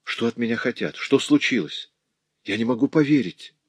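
A man reading an audiobook and voicing a bewildered old jeweler father in a quiet, faltering, broken voice. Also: mid-range voice, moderate pace, slightly rough, no echo, close to an everyday voice. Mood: wondering.

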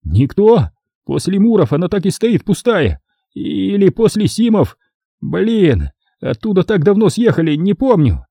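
A man voicing a cowardly, greasy male building caretaker in an audiobook, with a shrill and panicky way of talking. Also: big pitch swings, unhurried, gravelly, mellow, breathy edge, dry recording, studio quality, exaggerated voice. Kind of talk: audiobook character voice.

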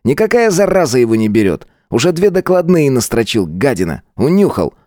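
A man's voice: medium pitch, big pitch swings, brisk, a little mellow, no echo, studio quality, voice pushed up, close to an everyday voice. A man voicing a brash, mocking teenage schoolboy who taunts and swaggers.

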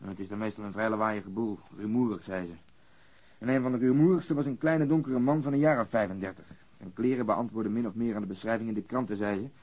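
An actor playing a sceptical, grumbling, unimpressed police detective in a radio crime drama. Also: male voice, on the low side, fast, a little mellow, natural voice. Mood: reporting.

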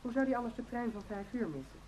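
A woman's voice: a little high, animated, fast, a little mellow, slight background noise, lightly acted, poor audio. An actress in a radio drama playing a worried, talkative middle-aged mother who keeps insisting as she defends her son. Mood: anxious, insistent. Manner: insistent, repetitive, chattering.

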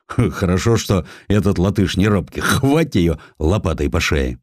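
A man voicing a hearty, excitable ship's engineer in an audiobook, exclamatory and animated. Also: sits low, moderate pace, dry recording, clean studio sound. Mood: excited.

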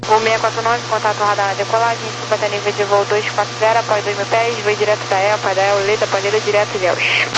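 A woman's voice: mid-range voice, level tone, fast talker. A woman with a Brazilian accent giving flight instructions as an air traffic controller over a crackly radio. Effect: crackly radio transmission. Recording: very noisy crackly radio with hum.

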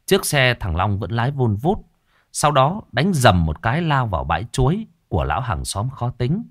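A man narrating a story in an expressive, animated way. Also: on the low side, dry recording, clean studio sound.

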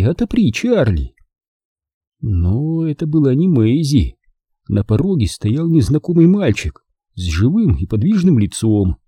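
An audiobook reader delivers scripted narration in a dark, husky, fairly low male voice. The recording is studio quality with no room sound.

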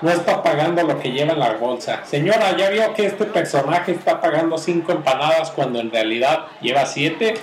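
A man with a Mexican accent playing a righteous, fussy, over-polite gentleman in an old-fashioned radio play. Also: a little high, lively intonation, normal speed, few pauses, close to an everyday voice. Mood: offended, scolding. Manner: pompous, formal, over-polite diction. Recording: roomy, noisy ambience with crowd behind.

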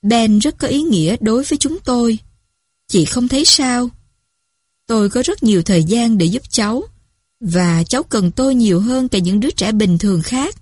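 A woman voicing a calm young mother who speaks with gentle conviction about caring for her child. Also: a little high, moderate pace, breathy edge, dry recording, studio quality. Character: calm, content young mother of a sick baby.

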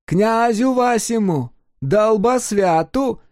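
Guy doing a prim greek trader, way up high, slow and drawn out, storybook voice. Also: animated, a little mellow, no echo, studio quality. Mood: polite. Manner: slow, drawling, high-pitched. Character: foreign male Greek merchant, prim, proud.

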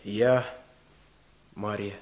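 An actor playing a restless, lovesick village man in a radio drama, weary and stubborn, with a gravelly voice. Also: fairly low pitch, steady tone, extremely slow, darkish tone. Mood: troubled.

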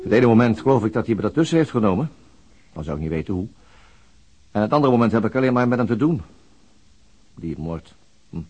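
An actor playing a calm, dry-witted murder detective who speaks in a wry, understated way. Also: male voice, fairly low pitch, brisk, pauses often, a little hiss or hum. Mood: musing. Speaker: police detective. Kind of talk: radio drama acting.

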